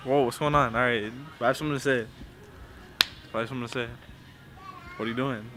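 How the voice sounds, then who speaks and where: A man's voice: mid-range voice, steady tone, fast, background noise. A man chatting casually for a vlog inside a large store, slangy and repeating phrases for emphasis. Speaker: vlogger in a prank group. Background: music.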